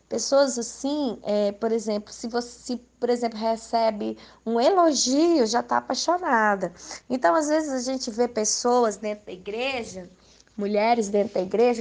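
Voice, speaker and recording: A woman with a Brazilian Portuguese accent giving an informal Christian teaching to women, talking conversationally and asking her listeners rhetorical questions. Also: a little high. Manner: conversational, asks rhetorical questions, frequent tag questions. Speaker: women's ministry speaker.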